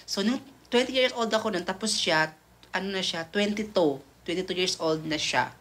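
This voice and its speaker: Talking at a moderate pace in a high-pitched, slightly bright voice, a campy twenty-one-year-old gay livestreamer meanders through a tale, restarting often and leaning on fillers. He addresses his audience as "bakla."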